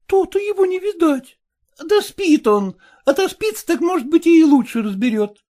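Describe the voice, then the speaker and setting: A woman's voice: extremely high pitch, big pitch swings, normal speed, warm tone. A woman voicing an eager, impatient young peasant woman who presses and pleads in folksy speech. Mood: chatty.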